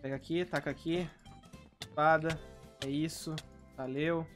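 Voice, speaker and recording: A young man with a Brazilian Portuguese accent giving live gameplay commentary, constantly complaining in an exasperated way and now and then bursting into shouts. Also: fairly high pitch, fairly even intonation, a little slow, faint music behind. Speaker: gaming youtuber.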